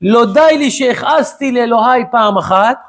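A man voicing a brash young Jewish turncoat in a retold sermon story, with a husky tone. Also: very high-pitched, lively intonation, a bit bright, full character voice. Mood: anguished.

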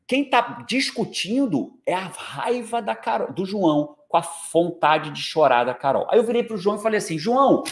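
A man's voice: high voice, sing-song, normal speed, hardly any pauses. A man in his forties with a Brazilian Portuguese accent, a coach giving a live online talk, joking and slangy, who keeps checking in with his listeners. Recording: echoey room.

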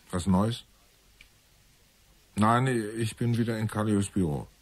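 Husky, low-voiced police inspector. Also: male voice, exaggerated voice. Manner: authoritative, blunt questioning. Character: weary, stern male police inspector in charge. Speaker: actor in a radio play. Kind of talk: German radio drama acting.

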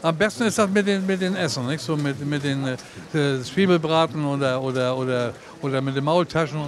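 Older man, northern German accent, fairly high voice, halting casual interview, clear market noise. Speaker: fried fish vendor. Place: outdoor market. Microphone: handheld reporter microphone.

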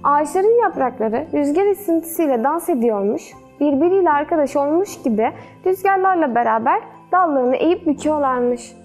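A woman storyteller reading a children's fairy tale in a gentle, measured way. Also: high voice, lively intonation, soft background music.

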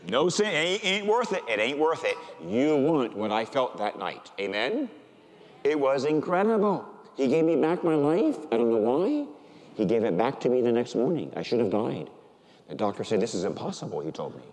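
A middle-aged man, a priest, preaching and telling a story with great feeling, dropping to a hush and rising to high excited tones. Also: moderate pace. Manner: animated storytelling, swings from hushed to high excited voice. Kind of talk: sermon. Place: church. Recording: reverberant church hall.

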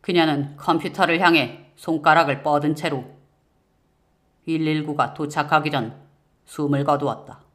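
A man narrating a first-person horror-mystery audiobook in a measured, suspenseful way. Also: on the high side, steady tone, fairly bright tone.

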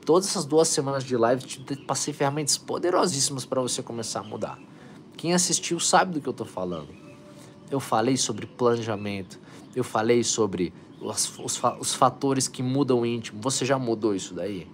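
With an animated, medium-pitched voice at a moderate pace, this man hosts a motivational live stream as a coach, pushing viewers forward energetically and reading their comments. Slight noise sits behind him.

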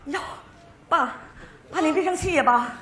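A woman's voice: fairly low pitch, expressive, normal speed, crowd noise, close to an everyday voice. A woman playing an earnest, devoted daughter-in-law in a stage comedy sketch, coaxing her father-in-law. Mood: frantic. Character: devoted pleading daughter-in-law, middle-aged. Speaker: sketch actress. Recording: echoey stage sound.

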